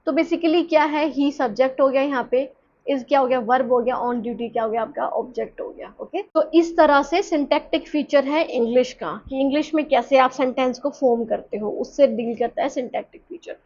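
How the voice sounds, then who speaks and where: A woman's voice: sits high, moderate pace, a little mellow. A woman teacher giving a lecture, explaining step by step, often rephrasing points and asking the viewer questions. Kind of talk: online lecture explaining in mixed Hindi and English. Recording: slightly dull lo-fi sound.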